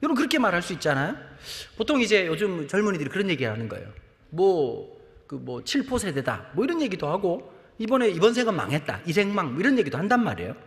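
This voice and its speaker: A man in his fifties preaches with a high, lively voice, his pitch bouncing as he tells humorous stories. He talks quickly, and his words ring out with a long reverb in a church hall. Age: 50s. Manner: humorous, animated storytelling. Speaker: pastor. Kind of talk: sermon. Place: church sanctuary.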